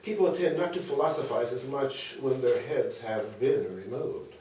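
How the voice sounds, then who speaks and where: An old philosopher, acted by a man at a table read, wry and evasive, with very animated pitch and a hesitant, mock-pompous way of talking. The comic dialogue sounds distant in an echoing room. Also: moderate pace, lightly acted. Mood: genial, wry. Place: small meeting room around a table. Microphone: far camera or table recorder. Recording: very echoey meeting room, distant mic.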